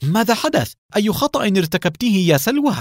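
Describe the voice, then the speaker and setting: A man voicing a young male teammate who reasons calmly and then shouts in alarm, in a storybook reading. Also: a little fast, dry recording, studio quality. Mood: alarmed shouting. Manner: high and loud when frightened.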